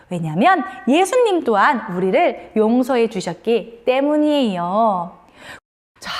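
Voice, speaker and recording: High, lively woman preaching to children. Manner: animated sing-song, asking children questions. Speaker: children's minister. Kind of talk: children's sermon.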